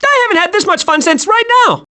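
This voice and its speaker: A man voicing a childlike, gleeful, hyperactive squirrel in an animated video game, excitable and naively cheerful. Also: very high-pitched, brisk, heavily acted. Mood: excited.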